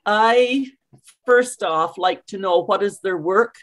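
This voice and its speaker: An older Canadian woman coaching English on a video call, speaking with crisply enunciated words and an emphatic, storytelling manner. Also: medium pitch, slow. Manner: warm, emphatic, storytelling, with clearly articulated words. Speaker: ESL coach.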